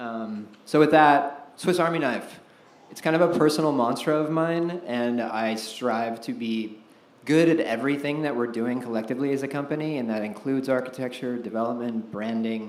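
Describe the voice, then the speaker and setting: A man's medium-pitched voice with an American accent and ordinary pitch variation, plus audible room echo and noticeable background noise. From California. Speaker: architect, design director. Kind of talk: lecture. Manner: fast.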